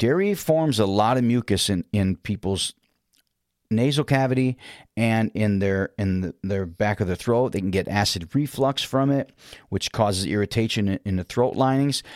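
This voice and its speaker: A man with an American accent speaks at a moderate pace in a fairly low pitch, with ordinary pitch variation and a plain, everyday voice. The recording is very clean, dry and close with no echo, over a silent background. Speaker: singer and vocal coach. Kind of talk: tutorial. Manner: casual.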